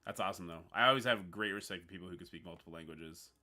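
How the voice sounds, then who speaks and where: A man from Newfoundland with a Newfoundland accent, hosting a casual livestream. He reads on-screen text aloud haltingly and chats with his viewers. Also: sits low, bright, forceful tone. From Newfoundland, Canada. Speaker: livestream host.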